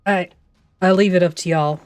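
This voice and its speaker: Woman player, lower voice, joking at herself, dry close sound. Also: fairly even intonation, normal speed, a little mellow, dry recording, soft background music. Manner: self-deprecating, chatty. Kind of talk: casual tabletop play.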